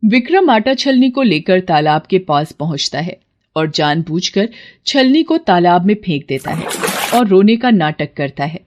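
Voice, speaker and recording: A woman tells a children's cartoon tale in scripted narration. Her delivery is expressive, with a lively, varied melody. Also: lowish voice, unhurried. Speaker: storyteller narrator.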